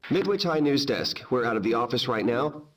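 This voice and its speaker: A man voicing a young male school newspaper answering machine, giving a brisk recorded phone greeting. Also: mid-range voice, expressive, recorded from a distance, close to an everyday voice. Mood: cheery. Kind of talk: video game voice acting.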